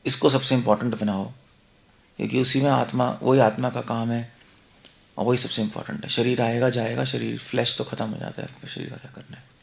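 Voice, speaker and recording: Gravelly-voiced man giving a devotional talk. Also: mid-range voice, little pitch movement, a little fast, a bit bright. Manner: conversational, rhetorical questions, chuckles. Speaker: monk giving a scripture class. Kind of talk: Hindi-English devotional lecture.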